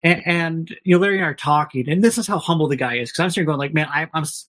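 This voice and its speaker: A man with a slightly high voice tells stories as a podcast guest. He speaks candidly, rambles and restarts often, and acts out other people's lines as he goes. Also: very fast, a bit bright. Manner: candid, rambling, many restarts and quoted dialogue. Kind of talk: casual storytelling.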